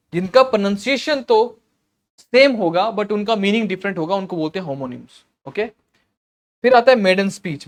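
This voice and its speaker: A man teaching exam vocabulary in a Hindi-English mix, explaining slowly, repeating words and checking in with "okay" as he goes. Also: sits high. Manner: clears throat often.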